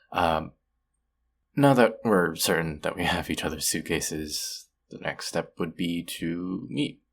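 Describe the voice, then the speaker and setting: Man acting deep-voiced awkward, sweet nervous rambler. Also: heavily acted. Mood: relieved, friendly. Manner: rambling, hesitant, self-deprecating, soft chuckles. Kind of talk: intimate one-sided audio roleplay, conversational.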